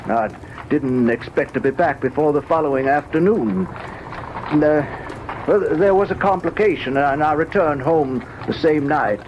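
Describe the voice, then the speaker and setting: An actor playing a distraught middle-aged father, a country gentleman, speaking gravely and haltingly with stammers in an old-time radio drama. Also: fairly high pitch, close to an everyday voice. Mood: shaken, halting. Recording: muffled, noisy old radio recording.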